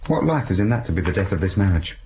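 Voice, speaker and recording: A brooding villain nobleman with a very deep, low voice, as a man acts him out. He speaks in short, cold, terse lines, plotting in a Shakespearean stage play. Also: very animated, quick pace, darkish tone, slight background noise.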